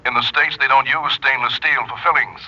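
A man playing a spy handler calling by telephone in a 1960s radio drama, hushed and urgent. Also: medium pitch, fairly even intonation, brisk, a little hiss or hum. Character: urgent male spy contact on phone. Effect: telephone filter. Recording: dull old radio broadcast.

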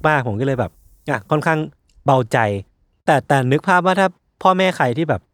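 A man co-hosting a casual podcast chat, relaxed and jokey as he shares stories. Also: on the high side, a little fast, no room sound, clean studio sound. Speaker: podcast co-host.

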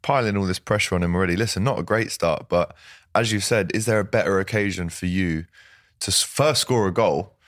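Hoarse man hosting fan banter. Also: deep voice, brisk, dry recording, studio quality. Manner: excitable, banter-filled. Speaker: host. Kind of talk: casual fan podcast chat, reading viewer comments.

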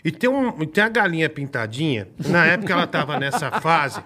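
This is a Brazilian man in his thirties telling a story in casual chat. His voice sits high and sounds bright and forward. He swears easily and acts out the lines of the people in his story. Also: animated, fairly quick.

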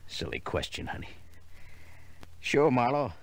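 A man's voice: medium pitch, sing-song, a little slow, dry recording. An American man acting a wary, cornered tough guy in a 1950s radio drama, terse and slangy. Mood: weary, relenting.

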